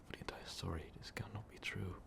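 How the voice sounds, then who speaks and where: The tormented vampire overlord now sounds shaken and apologetic, though the man's delivery stays close to an everyday voice. He murmurs an intimate ASMR monologue in a breathy, gravelly low whisper, halting, slow and formally confessional, remorseful over his conquests and lovestruck.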